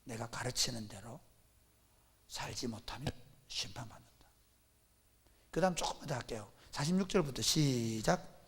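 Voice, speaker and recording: A man's voice: medium pitch, expressive, normal speed, vocal fry, long pauses, slightly rough. A male pastor preaching a sermon at a church service, emphatic and full of rhetorical questions.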